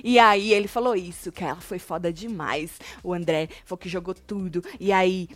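A woman's voice: fairly low pitch, moderate pace, a bit bright, no room sound. A woman hosting a casual gossip show, retelling events with profane, mocking asides.

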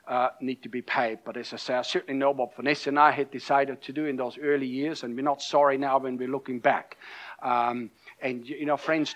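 A middle-aged man from Austria with a German-accented English, preaching a conversational sermon with many fillers and restarts. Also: medium pitch. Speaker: pastor.

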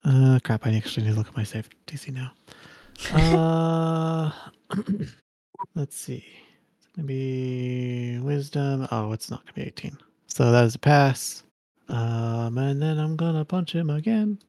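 A man playing a tabletop game, working through his dice rolls and damage step by step. His voice is mellow and dark. The recording is dry and close. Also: mid-range voice, unhurried, dry recording. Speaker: player. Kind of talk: casual tabletop game chat.

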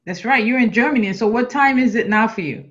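A woman's voice: on the high side, quick pace, a bit bright, dull audio. A woman hosting an interview over a video call, encouraging her guest and rephrasing with small stumbles. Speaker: interview host.

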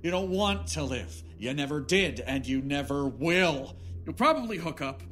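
An actor in an audio drama playing an arrogant, resentful lawyer son with a contemptuous, biting manner. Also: male voice, fairly high pitch, lively intonation, moderate pace, a bit bright, a little hiss or hum. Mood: cold, bitter.

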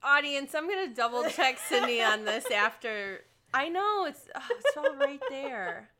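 A woman's voice: sits high, unhurried, crowd noise. A young adult woman co-hosting a podcast, chatting casually and laughing often as she recaps a cartoon episode. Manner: giggly, animated, frequent laughter. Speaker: podcast co-host.

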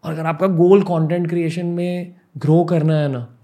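A man's voice: fairly high pitch, flat delivery, normal speed, warm tone. A young man from Mumbai, a podcast host, telling a personal story in an earnest, reflective way and mixing in English words. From Mumbai, India.

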